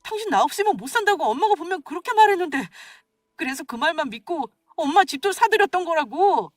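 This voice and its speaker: A woman's voice: very high-pitched, lively intonation, quick pace, no echo, voice pushed up. A woman voicing a sheepish, scheming husband who stammers and pleads, recorded dry and a little distant from the mic. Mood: pleading.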